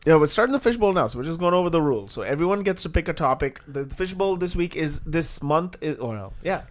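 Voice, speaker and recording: A man's voice: on the high side, expressive, fast talker. A man co-hosting a comedy podcast in a studio, teasing his friends and laughing often. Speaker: podcast co-host. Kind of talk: joking casual chat.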